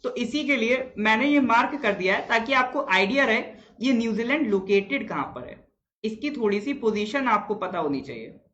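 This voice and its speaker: A man's voice: very high voice, animated, moderate pace, pushed and bright, muffled recording, a little hiss or hum. A man teaching a live online exam-prep class, chatting with viewers, reading out their answers and quizzing them.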